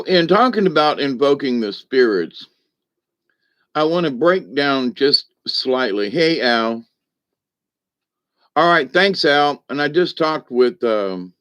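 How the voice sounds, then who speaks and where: The sound is lo-fi, and the man's mid-range voice has a fairly bright tone. As a livestreaming shaman, he meanders through folksy spiritual talk, peppering it with asides to the people watching.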